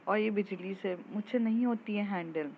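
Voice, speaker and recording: A woman's voice: mid-range voice, normal speed, vocal fry, phone-quality sound, a little hiss or hum, close to an everyday voice. A woman voicing a small, timid teenage schoolgirl who speaks in a nervous, pleading way. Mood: scared, pleading.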